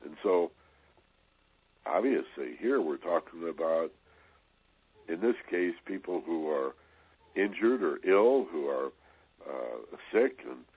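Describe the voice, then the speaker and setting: A deep, husky-voiced man talks through a motivational radio segment in a loose, conversational way, leaning on "you know" and "right?". The sound is dry and close, squeezed into a narrow, phone-like band. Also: lively intonation, measured pace, pauses often, no room sound. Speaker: radio host.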